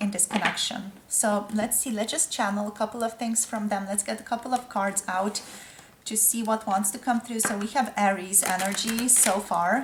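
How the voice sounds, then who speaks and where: A woman speaks at a moderate pace with a medium pitch. Noticeable background noise runs under her voice. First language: Slovenian. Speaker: tarot reader. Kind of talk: tarot reading. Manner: halting.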